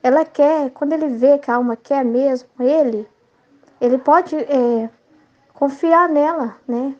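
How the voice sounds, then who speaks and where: A woman's voice: high-pitched, a little slow, dull audio. A middle-aged woman with a Brazilian Portuguese accent, sharing an earnest, rambling devotional reflection as a Catholic lay study leader, often tagging questions onto her sentences.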